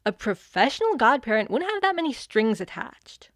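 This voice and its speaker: Young godparent in charge, female actor: blunt, wry, fairly high voice, close dry sound. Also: very animated, normal speed, dry recording. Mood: skeptical. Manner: blunt, sardonic. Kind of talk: audio fiction comedy acting.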